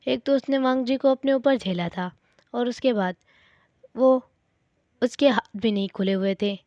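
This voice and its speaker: A woman's voice: fairly high pitch, a little slow, dark tone, no echo, lo-fi sound. A woman casually retelling a fan-fiction story, speaking to the listener with chatty asides.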